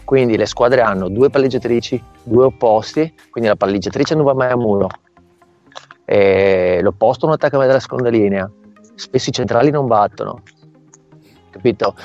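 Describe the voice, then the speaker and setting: In a remote call interview, a middle-aged man who coaches volleyball explains at length in a mid-range, darkish voice. He frequently pauses to ask "capito?" so the listener keeps up. The line sounds dull and lo-fi, with a trace of music.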